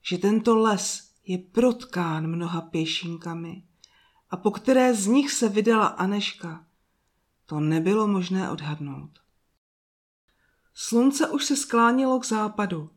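A woman narrating a fairy tale in a slow, soft storytelling manner with drawn-out pauses. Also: medium pitch, animated.

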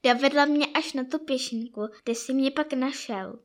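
A woman voicing a small excited girl. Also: close to an everyday voice. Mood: earnest. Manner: high, breathless childlike exclaiming. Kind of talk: storybook narration.

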